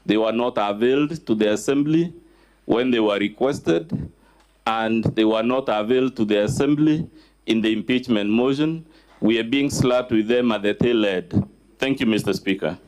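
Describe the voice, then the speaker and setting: A man's voice: medium pitch, normal speed, darkish tone, poor audio. A man with a mid-range voice argues formally as a lawyer. He presses his points emphatically, repeating key phrases. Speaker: lawyer making a submission. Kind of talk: formal legal argument.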